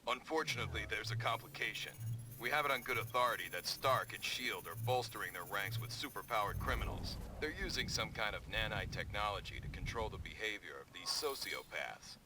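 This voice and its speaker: A man's voice: fairly quick, close to an everyday voice, low-quality recording. An actor playing a sober, businesslike male tactician, giving a matter-of-fact briefing in a game cutscene. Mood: grave, businesslike. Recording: clear background rumble of ambience.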